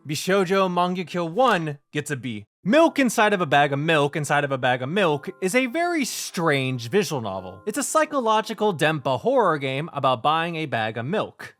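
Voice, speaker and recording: Male reviewer, fairly high voice with very lively intonation, opinionated and emphatic, scripted countdown-style narration. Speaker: video reviewer presenting a ranked list.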